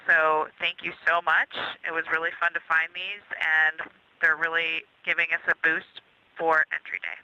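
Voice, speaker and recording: A man's voice: a little high, level tone, moderate pace, bright, forceful tone, clear, resonant tone. An astronaut, a man, speaking from inside a spacecraft cabin over a space-to-ground radio link, upbeat and appreciative. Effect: space-to-ground radio downlink. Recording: dull lo-fi radio downlink.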